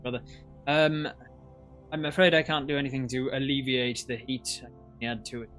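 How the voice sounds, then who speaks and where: A man of medium pitch speaks casually as a player in a tabletop role-playing game. His phrasing is halting and improvised, and faint music plays behind him. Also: flat delivery, fairly bright tone.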